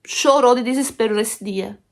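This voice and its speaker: A woman's voice: fairly high pitch, moderate pace. Emphatic woman storyteller. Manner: emphatic, repetitive, addresses listeners as "gente". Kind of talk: first-person story narration.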